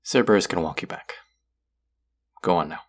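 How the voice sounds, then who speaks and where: An actor playing a stern, haughty god of the underworld in an audio roleplay, speaking formally with an exasperated, grudging manner. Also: male voice, deep voice, normal speed. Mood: grudging, flustered. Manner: imperious, exasperated, formal speech with sighs. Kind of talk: scripted character audio roleplay.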